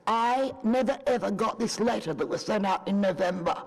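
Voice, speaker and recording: A woman's voice: mid-range voice, normal speed, creaky, slightly rough. An older woman with an Australian accent, a bed and breakfast owner giving an earnest public deputation to a city committee. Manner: earnest, persuasive, lists points one by one. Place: city council committee chamber. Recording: reverberant council chamber.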